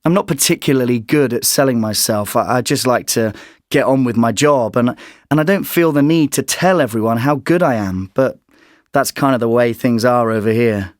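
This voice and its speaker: A British man speaking in a relaxed, hesitant way with fillers for a listening exercise. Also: medium pitch, moderate pace, no room sound, clean studio sound. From Britain.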